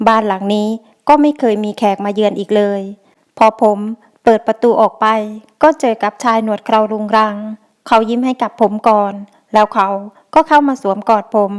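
A woman reads an audio novel with steady, even storytelling. Her voice is smooth and clear, and it sits a little higher than most women's. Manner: steady storytelling, reading a male first-person narrator. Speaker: audiobook narrator. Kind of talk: audiobook narration.

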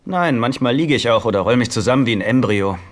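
Animated, naive boyish sitcom man played by an actor. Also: mid-range voice, fast talker, close to an everyday voice. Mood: glum, self-pitying. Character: naive, lovesick, boyish divorced rich man. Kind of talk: German-dubbed sitcom acting.

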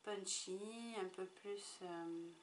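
A woman's voice: medium pitch, very slow. Woman, casual makeup tutorial talk, rambling, lots of fillers, faint background hiss. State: tickly throat. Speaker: makeup vlogger.

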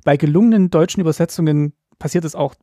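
A man co-hosting a casual podcast discussion, explaining things quickly in his native German, with lots of filler words. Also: a little high, warm tone, no echo, clean studio sound. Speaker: podcast co-host.

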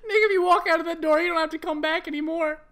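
A woman's voice: extremely high pitch, fairly even intonation, fast, heavy background noise. A woman voicing a young female rabbit, desperate and defiant, in an emotional amateur reading of a comic. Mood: crying, desperate. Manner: melodramatic, emotional.

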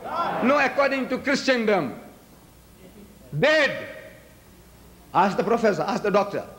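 Speaking into podium microphones in a large hall, an older debater whose native language is Gujarati makes an emphatic public debate speech, hurling rhetorical questions at the crowd. He has a high, slightly bright voice, very animated yet unhurried.

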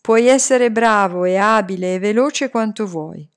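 A woman voicing a serious boy who speaks softly and gravely. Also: mid-range voice, measured pace, lightly acted. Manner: quiet, grave. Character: quiet serious boy, wise beyond years.

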